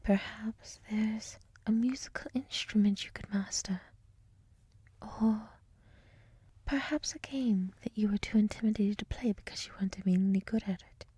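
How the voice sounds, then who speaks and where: Woman acting as gentle wise monster lady, ASMR roleplay, very breathy whisper, dark mellow tone, soothing, encouraging, close-miked. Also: mid-range voice, steady tone, no echo. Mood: soothing, reflective. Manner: slow, soothing, reflective, encouraging. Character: gentle, wise monster woman with many eyes, hotel resident. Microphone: close mic, dry.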